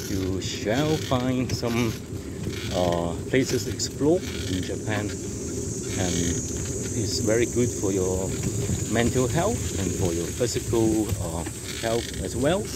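Over loud background noise, a man speaks at a very slow pace with ordinary pitch variation, the sound dry with no echo. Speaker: solo cyclist vlogger. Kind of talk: casual vlog chat. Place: bicycle. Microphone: phone near.

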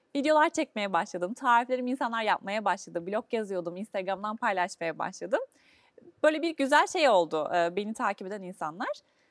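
Fairly high-pitched and fairly quick, a woman talks with lively intonation. The sound is dry with no echo, and the background is quiet. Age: 30s. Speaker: food content creator. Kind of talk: casual chat. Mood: warm, relaxed, smiling. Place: studio.

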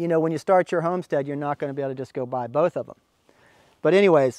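Talking at a very fast pace, a man shows ordinary pitch variation in a dry sound with no echo over a quiet background. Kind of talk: casual vlog chat. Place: open country. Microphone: lapel.

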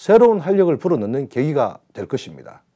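Against a quiet background, a man with a dark, mellow tone talks at a fairly high pitch. His pitch swings very widely. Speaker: city council member. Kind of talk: acceptance speech. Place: studio. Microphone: lapel.

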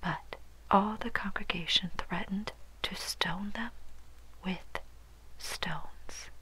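A woman whispers at a very slow pace with long, frequent pauses over noticeable background noise. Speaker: Bible reader. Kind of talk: scripture reading for sleep. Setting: rain sounds in background. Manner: soft-spoken, whispered.

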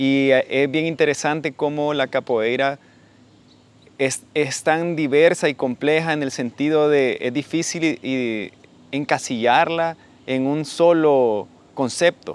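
A man's fairly high voice at a very slow pace, with fairly even intonation and a dry sound with no echo. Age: 30s. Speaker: capoeira practitioner. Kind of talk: interview testimony. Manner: halting. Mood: warm, reflective. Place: garden.

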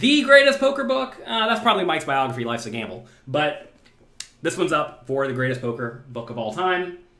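A man's fairly high, bright, sharp voice with very wide pitch swings, at a fairly quick pace, amid audible room echo. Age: young. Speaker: poker pro and coach hosting a live stream; poker coach hosting a livestream. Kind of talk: casual live-stream Q&A. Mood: upbeat, friendly. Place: home room.

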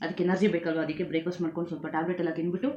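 Over noticeable background noise, a woman speaks at a fairly low pitch. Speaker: lifestyle vlogger. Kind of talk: vlog narration. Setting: at home. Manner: soft-spoken, avoids talking loudly.

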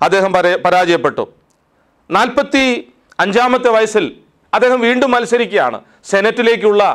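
Against a quiet background, a man speaks in a high pitch with very even loudness and ordinary pitch variation. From Kerala, India. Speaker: preacher. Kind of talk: sermon. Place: studio. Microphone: lapel.

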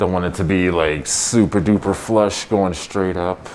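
In an American accent, a man with a very deep, low voice talks at a moderate pace over light background noise. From Eastern Pennsylvania, near Allentown; Eastern Pennsylvania. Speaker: barber. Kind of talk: tutorial. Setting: barbershop. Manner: animated. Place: shop.

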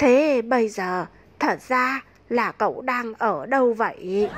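Shaky and high-pitched, a woman uses a put-on character voice at a very slow pace. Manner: trembling, shaky.

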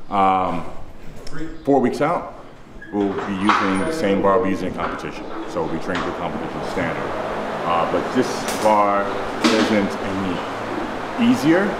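Loud background noise is heard throughout. A man talks over it at a moderate pace. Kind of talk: interview answer. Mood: calm, explanatory. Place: gym.

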